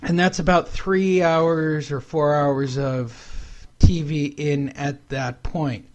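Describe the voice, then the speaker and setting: A man's voice: a little high, fairly even intonation, takes it slowly. Wisecracking man hosting a podcast. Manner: rambling, wisecracking. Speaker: podcast host. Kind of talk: casual chat.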